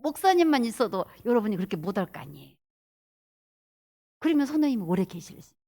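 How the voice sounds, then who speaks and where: A woman's voice: medium pitch, sing-song, fast talker, darkish tone, husky. A middle-aged woman pastor preaching a sermon in a church, telling stories and acting out her members' voices. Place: church sanctuary.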